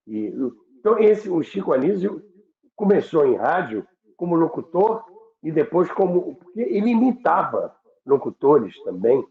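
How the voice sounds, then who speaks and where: The older Rio program host's voice is fairly high and swings widely in pitch as he recalls radio's past. Slow and halting, he often repeats words, and the audio has a roomy, phone-like quality.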